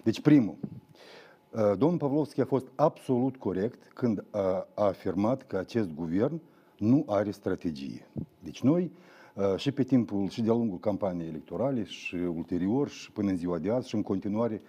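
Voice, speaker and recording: A man's voice: fairly low pitch, expressive, mellow, husky, dull audio. A man arguing as a guest on a studio political debate, combative, numbering his points with frequent fillers. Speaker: talk show guest, former deputy.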